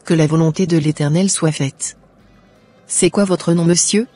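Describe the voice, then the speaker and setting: A woman's voice: lowish voice, fairly even intonation, moderate pace, mellow, husky, soft background music. A woman voicing a devout, earnest young Christian woman in a cartoon, speaking in a pious way. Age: young adult.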